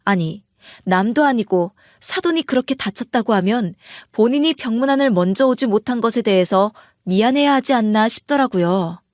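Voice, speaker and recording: A woman's voice: fairly high pitch, animated, normal speed, darkish tone, no room sound, clean studio sound. A woman narrating a scripted first-person story in a confiding way.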